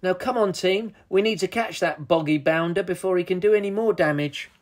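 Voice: medium pitch, brisk, pitched above the performer's own voice, close to an everyday voice. A storybook narrator voicing a brave, bossy female superhero captain made of toilet roll, commanding and heroic. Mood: urgent.

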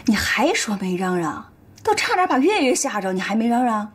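An actress playing a sharp-tongued, bossy wife in a TV drama, scolding curtly. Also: female voice, a little high, sing-song, moderate pace, slightly rough. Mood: suspicious. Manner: scolding, curt. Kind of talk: TV drama acting.

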